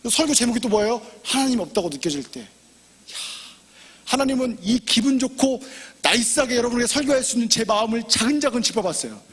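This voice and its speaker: A man preaching a sermon as pastor, impassioned and personal, swinging from loud pleading to hushed near-whispers. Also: extremely high pitch, expressive, a little fast, slightly rough, in a large hall. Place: church sanctuary.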